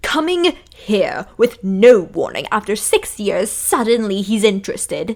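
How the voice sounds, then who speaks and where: A loud, growling put-on character voice, female-sounding and fairly high-pitched, speaks in an angry tone at a fairly slow pace with hardly any pauses. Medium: audio drama. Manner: loud, angry.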